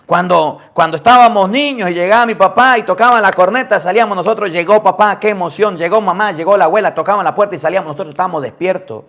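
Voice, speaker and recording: Emphatic priest preaching. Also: male voice, high-pitched, quick pace, hardly any pauses, a bit bright. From Venezuela. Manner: emphatic preaching with rhetorical questions and sudden drops to near-whispers. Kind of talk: sermon.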